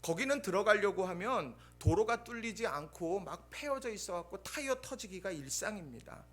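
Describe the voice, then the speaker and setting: A male pastor preaching a Sunday sermon, telling stories with acted-out dialogue and swings between loud bursts and hushed asides. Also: sits high, moderate pace. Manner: animated storytelling, acting out quoted dialogue.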